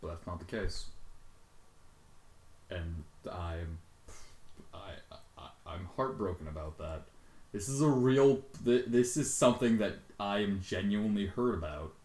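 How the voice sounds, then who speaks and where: A man giving a dramatic reading with exasperated, sweary commentary and sudden loud outbursts. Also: fairly low pitch, expressive, a little slow, long pauses, reverberant, a little hiss or hum. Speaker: fan fiction reader and commentator.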